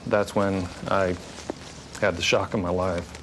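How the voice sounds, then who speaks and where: Man, very low and monotone, calm interview testimony, noisy backdrop. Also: measured pace. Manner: calm, matter-of-fact recollection. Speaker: hang glider pilot, witness.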